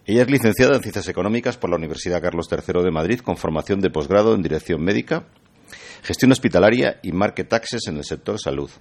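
A man hosting an interview podcast, reading a formal introduction of his guest and then asking relaxed questions. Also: deep voice, quick pace. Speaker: interview host.

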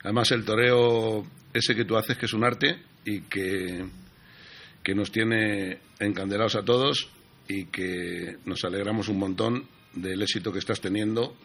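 A man's voice: on the low side, steady tone, a little slow, fairly bright tone, breathy edge. A man co-hosting a radio show, chatting in a friendly, casual way. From Spain. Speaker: radio co-host.

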